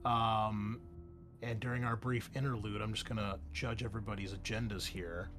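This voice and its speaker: A man's voice: on the low side, steady tone, moderate pace, a bit bright. A man acting as game master of a tabletop roleplaying game, addressing his players in turn with casual narration. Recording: music behind the voice. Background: music.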